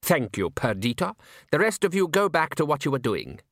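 Narrator as male opera music director: sardonic, brisk, authoritative, with swooping intonation, audiobook style. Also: a little high, sing-song, fairly bright tone, no echo, clean studio sound, pitched above the performer's own voice, full character voice.

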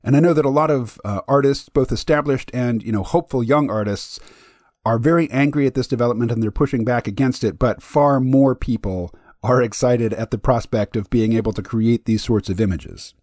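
A man's voice: mid-range voice, a little fast, darkish tone, no room sound, studio quality. A man hosting his own podcast, talking through his ideas in a thoughtful, explanatory solo monologue. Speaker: podcast host.

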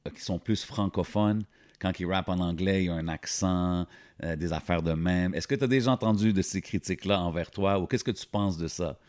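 A man with a Québécois French accent hosting a relaxed interview, slangy and mixing English words into his French. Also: deep voice, a little fast. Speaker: interview host. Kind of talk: casual interview.

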